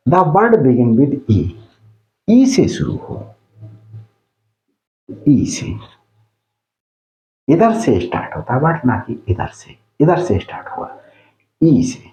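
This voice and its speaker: A male maths teacher walks through a problem at a very slow, deliberate pace. His pitch rises and falls freely as he counts items aloud one by one. The tone is mellow and soft. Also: big pitch swings, rough recording. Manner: counts aloud slowly, addresses students as children. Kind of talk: slow step-by-step maths lesson.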